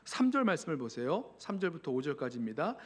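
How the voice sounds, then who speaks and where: A man's voice: fairly high pitch, sing-song, quick pace. A male pastor with a Korean accent preaches a sermon earnestly and voices pleading prayers as he goes. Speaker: senior pastor.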